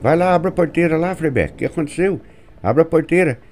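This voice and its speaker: A man's voice: a little high, fairly quick, a little mellow, a little hiss or hum, pitched above the performer's own voice, close to an everyday voice. A man voicing a blunt older rural landowner who keeps pressing with raised, urging questions.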